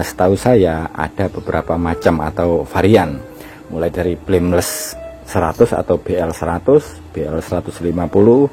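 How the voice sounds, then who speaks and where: Deep-voiced Indonesian man, music behind. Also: warm tone. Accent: Javanese-region Indonesian. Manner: colloquial, chatty, addressing listeners as a buddy. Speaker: DIY electronics video host. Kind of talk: informal explainer narration.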